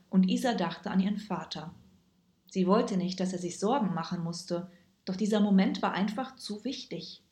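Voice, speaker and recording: A woman reading a children's story aloud with lively, expressive storytelling. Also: lowish voice. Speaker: narrator. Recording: echoey room.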